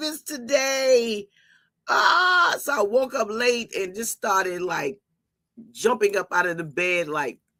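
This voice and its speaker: A woman with an American accent shouts at a very slow pace. Her fairly high voice swings very widely in pitch. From South Carolina, Mount Pleasant area. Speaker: pastor and lifestyle vlogger. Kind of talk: casual livestream chat. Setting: livestream.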